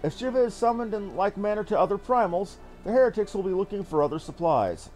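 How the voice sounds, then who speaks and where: Man playing a composed, high-voiced commander. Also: expressive, fast, a little mellow. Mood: commanding. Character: composed, shrewd commander questioning a subordinate. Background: game music.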